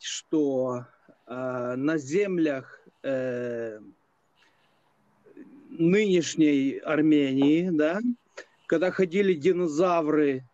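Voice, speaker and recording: Slow, halting man on a dull call. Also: on the high side, warm tone, no room sound. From Lviv, Ukraine. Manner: halting, deliberate, drawn-out hesitations. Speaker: caller on live stream. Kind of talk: unscripted debate. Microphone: internet video call.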